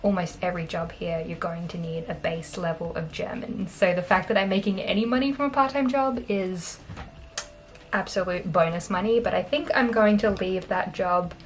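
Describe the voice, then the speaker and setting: A woman's voice: fairly low pitch, rough recording. Upbeat Australian woman chatting about money. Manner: chatty, upbeat, laughs often. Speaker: vlogger. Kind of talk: casual talking-head finance vlog. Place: small bedroom indoors.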